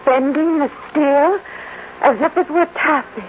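An American actress playing a woman in a 1950s science fiction radio drama, speaking in an expressive, theatrical way. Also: high voice, a little slow. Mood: fascinated, urging. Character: women in a tense domestic science fiction drama. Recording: muffled noisy old radio recording.

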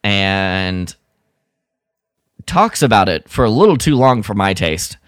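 A man co-hosting a podcast, chatting casually and haltingly as he recaps a story. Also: lowish voice, sing-song, fairly bright tone, no room sound, studio quality. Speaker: podcast co-host. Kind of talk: casual chat recapping a radio drama.

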